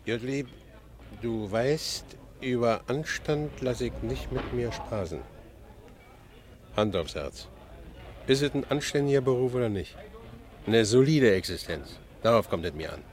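A man's voice: mid-range voice, animated, unhurried, long pauses, a little mellow, natural voice. A man playing a working-class Berlin ex-convict determined to go straight, narrating his own story in a radio drama with a Berlin accent. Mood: earnest. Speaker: narrator and lead character.

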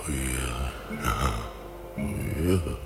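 An actor playing a guilt-ridden, anxious village innkeeper in a crime radio play, halting and stammering. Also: male voice, a bass voice, music in the background, full character voice. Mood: fearful, subdued.

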